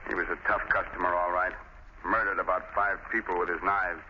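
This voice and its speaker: An actor playing a gruff, impatient, skeptical police commissioner in a 1930s radio drama, brusque and dismissive. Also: male voice, sits low, little pitch movement, brisk, lightly acted. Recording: muffled, noisy 1930s radio recording.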